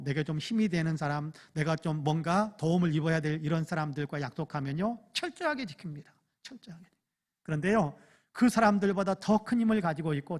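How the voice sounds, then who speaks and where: A man preaching at a Friday prayer meeting, moving between loud, fervent acted prayers and quiet, intimate asides. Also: fairly high pitch. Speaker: pastor. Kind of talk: sermon. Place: church.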